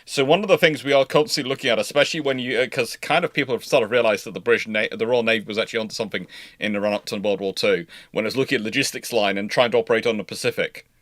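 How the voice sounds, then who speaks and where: A man hosting a casual livestream, talking in a rambling, animated way and often interrupting himself. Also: lowish voice, racing, no room sound, studio quality. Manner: animated, rambling enthusiast with frequent self-interruptions. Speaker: livestream host.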